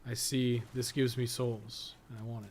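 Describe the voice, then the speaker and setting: A man's voice: medium pitch, little pitch movement, a little slow, darkish tone. A man giving casual live gameplay commentary, rambling and thinking aloud in loose, sometimes profane language. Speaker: podcast co-host and gaming streamer.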